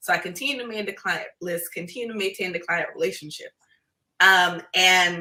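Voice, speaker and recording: The woman's voice has a bright, sharp tone. Her pitch varies in an ordinary way. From Jamaica, Kingston. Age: young. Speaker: artist and designer. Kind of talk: interview conversation.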